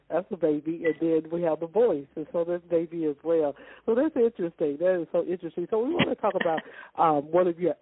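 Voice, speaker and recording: A woman's voice: deep voice, no room sound. A woman hosting a radio interview, asking rambling questions full of fillers and restarts. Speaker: radio show host. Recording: dry tinny phone-line sound.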